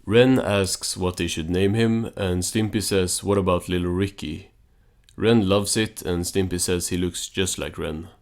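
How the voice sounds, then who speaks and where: A man with a low voice talks through a recap like a casual reviewer. His delivery is offhand and understated, moving between narration and his own commentary. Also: steady tone, measured pace, heavy background noise.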